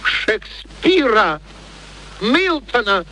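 An actor playing an arrogant, excitable gentleman professor of phonetics in a radio play, declaiming pompously with precise diction. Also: extremely high pitch, drawn-out words, heavily acted. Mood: scornful, outraged. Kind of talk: theatrical radio play acting. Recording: noisy vintage radio play recording.

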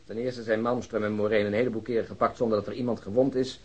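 An actor playing a dry, pedantic, matter-of-fact police detective in a radio drama. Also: male voice, fairly low pitch, flat delivery, fast talker, a little mellow, slightly rough, dull audio. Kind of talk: Dutch radio drama acting.

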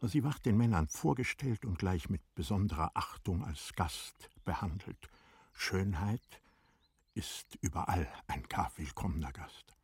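A man narrating a literary radio play in a measured, formal storytelling manner. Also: sits low, lively intonation, a little mellow, breathy edge, dry recording.

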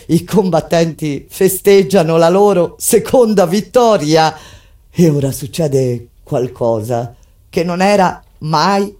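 An actress playing a wartime ghetto resistance fighter, recounting an uprising in a solemn, declamatory theatrical monologue. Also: female voice, fairly low pitch, mellow, close to an everyday voice. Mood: hushed, tense. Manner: solemn, declamatory, deliberate phrasing. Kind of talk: dramatic theatrical monologue with music.

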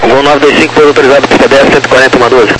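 Fast-talking Brazilian male controller on noisy radio. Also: medium pitch, steady tone. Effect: aviation radio. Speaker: air traffic controller. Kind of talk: procedural radio instructions. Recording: noisy aviation radio channel.

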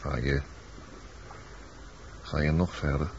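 A man's voice: a bass voice, fairly even intonation, slow, vocal fry, heavily acted. An actor playing a suspicious, probing man in a radio drama, terse and pressing. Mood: uneasy, pressing. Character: probing, suspicious man questioning his companion. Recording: muffled, noisy old radio recording.

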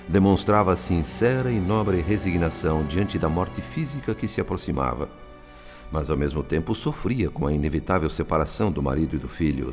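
Um ator interpretando um espírito médico compassivo que narra suas memórias em radionovela, de modo solene e expressivo. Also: male voice, sits low. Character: compassionate male spirit physician narrating his memories. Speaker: narrator and character. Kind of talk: dramatic radio drama narration.

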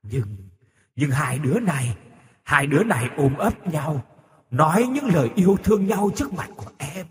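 A man's voice: a little high, sing-song, normal speed, big-room sound. A man doing an eerie young ghost girl. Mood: mournful. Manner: eerie, taunting then mournful. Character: vengeful young female ghost in a doll. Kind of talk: horror audiobook reading.

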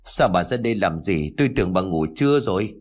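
A man voicing a confused, stubborn elderly village husband who flatly denies what he has just done. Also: sits low, fairly quick. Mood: deadpan. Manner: blunt, deadpan denials.

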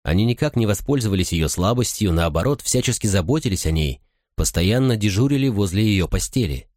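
A male narrator with a very deep, low voice reads an audiobook at a steady, measured pace. The recording is dry and close, with no room sound. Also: dry recording. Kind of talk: scripted narration.

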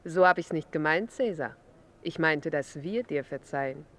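A woman acting in a radio play as a compassionate, quietly bold Christian woman, calm and forthright. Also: sits low, normal speed. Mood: calmly bold.

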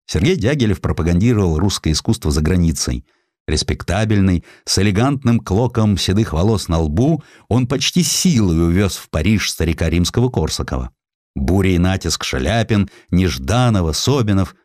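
A man narrating a historical literary sketch in an expressive, theatrical way with dramatic pauses, recorded close in a studio. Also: deep voice, dry recording. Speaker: audiobook narrator. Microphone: close studio microphone.

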